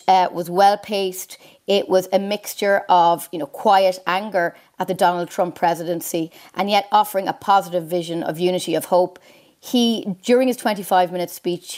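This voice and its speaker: Casting: woman news correspondent, lowish voice, explanatory and articulate in live interview. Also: darkish tone. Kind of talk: conversational political analysis in a broadcast interview.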